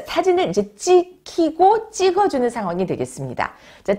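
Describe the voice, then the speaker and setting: Lively Korean woman teaching English. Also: a little high. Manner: lively and expressive, drawing out English example phrases slowly and clearly. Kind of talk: radio English lesson.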